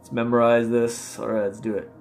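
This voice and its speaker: A man's voice: medium pitch, flat delivery, moderate pace, creaky, a little mellow. A man casually studying flashcards aloud, repeating words and laughing at his own mistakes. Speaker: language learner vlogger.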